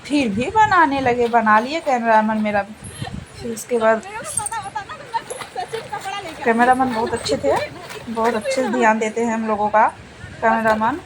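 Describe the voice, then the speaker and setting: A woman's voice: fairly high pitch, a little hiss or hum, low-quality recording. A woman narrating a casual travel vlog about her family trip, chatty and rambling, often repeating herself.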